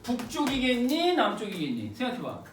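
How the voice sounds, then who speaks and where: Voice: mid-range voice, wildly swooping pitch, fairly quick. A Korean literature teacher giving an exam prep lecture, colloquial, repeating phrases and quizzing the students. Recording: roomy, distant mic, faint noise.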